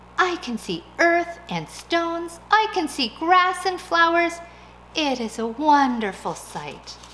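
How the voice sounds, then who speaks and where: A woman puts on a character voice with an extremely high pitch, speaking at a fairly slow pace over clear background noise. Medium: read story. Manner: calm, reasoning.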